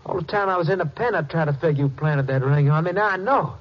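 An actor playing a bitter, pleading American ex-convict in a 1950s western radio drama, with a folksy, defensive way of talking. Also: male voice, fairly high pitch, quick pace, lightly acted. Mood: urgent, bitter. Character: bitter, pleading male ex-convict, wrongly accused. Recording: muffled old-time radio recording.

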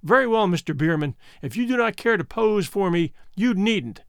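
A man's voice: high voice, animated, normal speed, gravelly, smooth, dry recording, clean studio sound. A man voicing a caring young woman artist in a story, earnest and coaxing but firm. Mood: earnest, indignant.

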